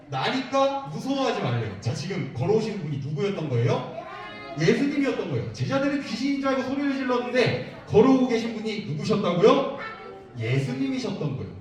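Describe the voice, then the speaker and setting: A man preaching to young children, asking them questions and repeating their answers. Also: high voice. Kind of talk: children's sermon with call-and-response questions. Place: church worship room. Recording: echoey room, mic at a distance.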